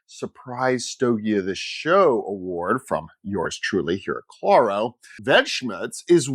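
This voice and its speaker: Lively, enthusiastic male cigar host. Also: on the low side, slow, slightly rough, dry recording. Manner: enthusiastic, playful. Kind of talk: scripted video introduction.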